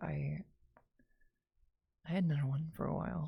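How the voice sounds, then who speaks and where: A woman speaks softly. She has an American accent. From Texas. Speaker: VR streamer. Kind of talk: casual chat. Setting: live stream. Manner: soft-spoken.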